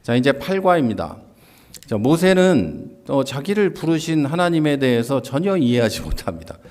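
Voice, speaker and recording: A man's voice: mid-range voice, sing-song, normal speed, a little mellow. A man giving a church Bible class lecture, explaining step by step and acting out quoted lines in a livelier voice. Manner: explains step by step, often starting a point with "자".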